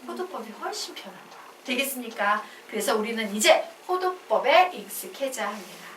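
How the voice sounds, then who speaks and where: A woman's voice: fairly high pitch, very animated, a little fast, a bit bright, slight background noise. A woman math teacher giving a classroom lecture, drilling students with call-and-response questions. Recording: echoey classroom, mic at a distance.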